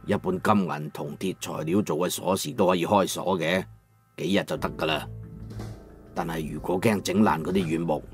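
An actor playing a proud, emotional old master locksmith in an emphatic Cantonese audiobook drama. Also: male voice, low-pitched, lightly acted. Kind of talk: dramatized audiobook character acting.

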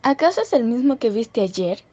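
Woman as mellow young hedgehog sister. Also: fairly high pitch, very animated, moderate pace, no echo. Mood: polite. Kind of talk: cartoon fan dub acting. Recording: muffled recording, music behind.

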